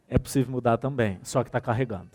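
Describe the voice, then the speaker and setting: A man with a Brazilian Portuguese accent giving a workshop talk, telling anecdotes, acting out the dialogue and speaking straight to his audience. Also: medium pitch. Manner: animated storytelling, acts out dialogue; addresses audience directly.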